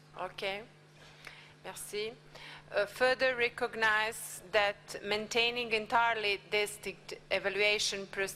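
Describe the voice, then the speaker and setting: In a non-native accent, a woman speaks fairly slowly in a bright, sharp, fairly high voice with monotone, flat intonation. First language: not English. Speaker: rapporteur. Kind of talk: formal meeting; reading aloud.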